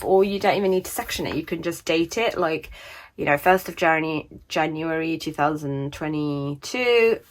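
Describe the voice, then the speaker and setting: A woman in her thirties chatting casually about her planners, meandering with many fillers, her voice slightly raspy from a sore throat coming on. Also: deep voice, a little hiss or hum. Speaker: planner vlogger. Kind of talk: casual chat.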